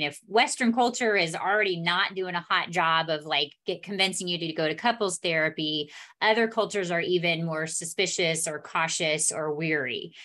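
A woman's voice: lowish voice, a bit bright. An American woman hosting a podcast interview as a therapist, talking in an informal, chatty way. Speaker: podcast host, couples therapist.

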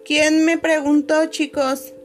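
A woman teacher, talking patiently to her pupils on a video call and filling pauses with "este". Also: high-pitched, flat delivery, faint music behind. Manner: patient, many fillers, calls pupils "chicos" and "corazones". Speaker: schoolteacher. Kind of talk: online class video call.

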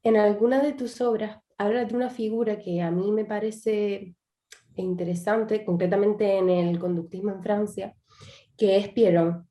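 Female interviewer, mellow and polite, echoey room. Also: mid-range voice, steady tone, unhurried. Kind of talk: interview questions.

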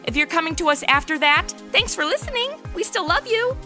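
A woman's voice: very high-pitched, expressive, brisk, pushed and bright, soft background music. An American woman giving a scripted show announcement in a chirpy style. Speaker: writer, producer and star of the show.

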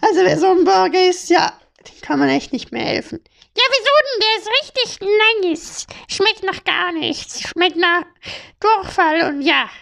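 A young woman giving short, deadpan, teasing answers in a casual podcast chat. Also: very high voice, unhurried, gravelly. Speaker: podcast co-host.

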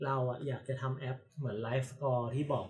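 A man talking through a technical topic in relaxed podcast conversation. His pitch sits in an ordinary middle range. He builds each point step by step with worked examples and hums as he thinks. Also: moderate pace. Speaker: guest teaching chatbot development. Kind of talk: casual tech podcast chat.

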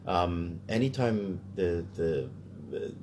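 A man's voice: sits low, expressive, slow, a little mellow, slight background noise. A Canadian man talking casually in a discussion, hesitant as he thinks aloud.

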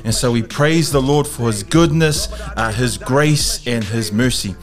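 A man's voice: mid-range voice, measured pace, faint music behind. A man from South Auckland with a Pacific Islander New Zealand accent, hosting a Christian podcast with preacherly phrasing and frequent hesitations. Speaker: podcast host.

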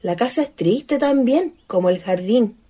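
A woman's voice: fairly high pitch, lively intonation, unhurried, mellow, slightly rough. An actress playing a shy, naive, wistful female ghost in a radio play, with a Chilean accent and a hesitant, girlish manner. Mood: shy, inviting.

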